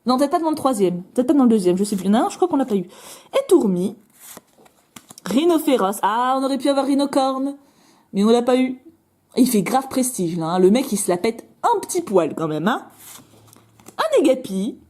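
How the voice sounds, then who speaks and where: A woman with a French accent chatting casually while opening trading card packs, bubbly and self-mocking with quick asides. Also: high voice, sing-song, mellow. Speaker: card-opening video host.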